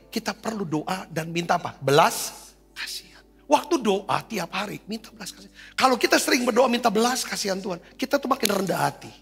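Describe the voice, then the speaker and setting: Husky, gravelly high-voiced male preacher. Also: sharp tone, in a large hall. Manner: exhorting, repeatedly asks for amens; conversational, with fillers and rhetorical questions. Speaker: pastor. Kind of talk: sermon.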